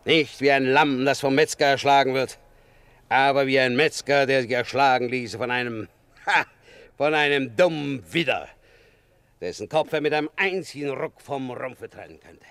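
An actor playing a fiery, tormented Christian warrior in a German radio play, declaiming with fervour and pride. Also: male voice, medium pitch, moderate pace, a bit bright, clean tone, no room sound, natural voice. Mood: tormented, proud. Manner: fervent, declamatory, proud.

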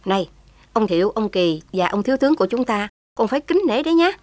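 A woman's voice: medium pitch, big pitch swings, fast, darkish tone, no echo, natural voice. A woman voicing a young heroine who is daring and tender, pleading with feeling. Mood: sharp-tongued. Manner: impassioned, tearful pleading.

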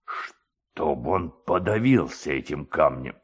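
Guy doing a bossy angry village boss from a storybook, deep gruff voice, stern and heavy. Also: animated, full character voice. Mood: angry, menacing. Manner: stern, indignant, slow menacing delivery.

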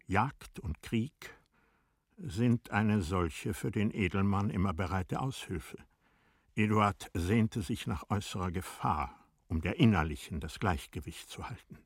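A male narrator tells a classic literary story in a formal, measured way. His voice is low and husky, recorded close and dry. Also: no echo.

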